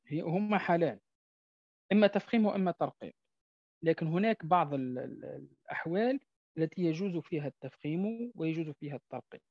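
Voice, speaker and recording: A man teaching a tajweed lesson. He draws example words out slowly and keeps checking that his listeners follow. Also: a little high, dry recording. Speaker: Quran recitation teacher. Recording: dull, dry lo-fi recording.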